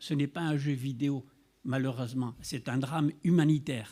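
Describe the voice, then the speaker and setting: Moving at a moderate speed, this voice carries a dark, mellow tone. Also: man. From French Algeria. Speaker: municipal councillor. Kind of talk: council floor speech. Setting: municipal council chamber. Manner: halting, many hesitations.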